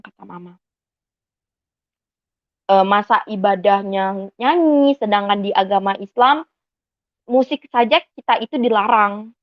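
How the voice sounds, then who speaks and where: A woman's voice: on the high side, no echo. A young woman from Indonesia tells her personal testimony earnestly and acts out the voices of the people in it. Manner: earnest storytelling that acts out quoted dialogue. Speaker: convert giving a testimony. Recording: slightly dull, dry recording.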